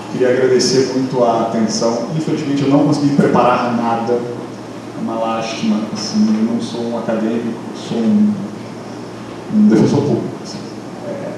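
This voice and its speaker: A man speaking as a public defender on a course panel, hesitant with many restarts. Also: mid-range voice. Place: lecture room. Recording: echoey hall from far off, noisy.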